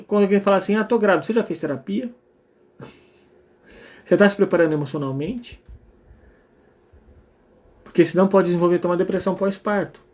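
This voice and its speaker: A man's voice: sits high, a little mellow. A man with a Brazilian Portuguese accent, a psychologist giving a live talk to parents, speaking emphatically and often checking in with his listeners. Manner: emphatic, repeats checks like "tá?" and blunt "ponto". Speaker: psychologist and couples therapist.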